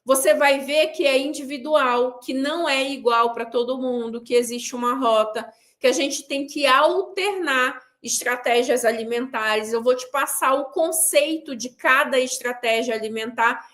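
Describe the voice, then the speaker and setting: A woman's voice: high-pitched, a little slow, few pauses, fairly bright tone. A woman coaching viewers in an online class, talking straight to them and hammering her points with repeated, clipped replies. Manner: emphatic, repeats a punchline in a clipped drop. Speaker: weight-loss coach hosting a pre-event class. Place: seated indoors.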